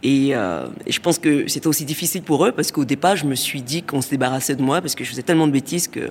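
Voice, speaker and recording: Very deep and low in pitch, a woman talks at a very fast pace with hardly any pauses. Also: ordinary pitch variation. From Côte d'Ivoire, Abidjan (Yopougon). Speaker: comic book author. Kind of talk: interview storytelling. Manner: halting, many repetitions and fillers.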